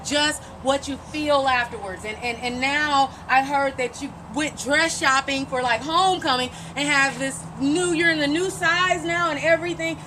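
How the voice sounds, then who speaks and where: A woman's voice: high-pitched, moderate pace, few pauses, bright, forceful tone, slight background noise, rough recording. A woman coach interviewing and giving an emphatic, encouraging pep talk, repeating phrases for emphasis.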